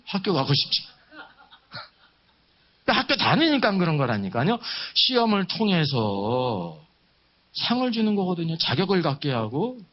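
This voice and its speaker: A man's voice: fairly high pitch, sing-song, moderate pace, pauses often. A man preaching at a Bible seminar, teaching emphatically with rhetorical questions and repeated key phrases. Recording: dull, muffled lo-fi sound.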